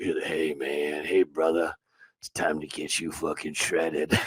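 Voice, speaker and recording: A man puts on a character voice that is gravelly and raspy, pitched very deep and low. He speaks at a fairly slow pace. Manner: pumped, bossy.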